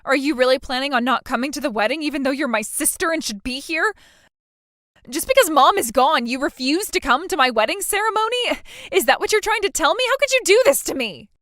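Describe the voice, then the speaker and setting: Woman as entitled bride, whiny and self-pitying, high, dry sound. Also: expressive, a little fast, a bit bright, dry recording. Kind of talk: scripted drama dialogue.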